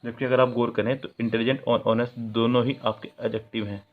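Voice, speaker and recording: A male grammar teacher talks through his lesson with a steady, middling voice. He puts questions to his students and answers them right away. The sound is thin and tinny, much like a phone line. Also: medium pitch, quick pace. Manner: asks the viewer questions and answers them himself; explains English in Hindi, reading example sentences aloud. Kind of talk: classroom-style video lesson.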